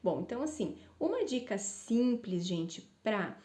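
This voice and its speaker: A woman's voice: mid-range voice, very animated, measured pace, dark tone. A woman speech therapist in her thirties giving a conversational voice lesson, explaining and often checking in with her listeners. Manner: explanatory, conversational, frequent tag questions. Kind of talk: voice coaching lesson. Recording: echoey room.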